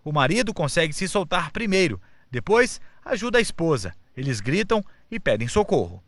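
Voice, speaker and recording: A male reporter with a Brazilian accent reading a scripted news voice-over in a measured, neutral way. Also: on the high side, sing-song, fairly bright tone. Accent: Brazilian Portuguese.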